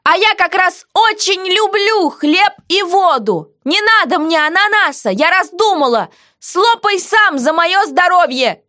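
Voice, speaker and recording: A woman's voice: extremely high pitch, lively intonation, measured pace, bright, forceful tone, voice pushed up, full character voice. A woman playing a cheeky defiant prisoner. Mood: mocking. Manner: mocking, sassy retorts.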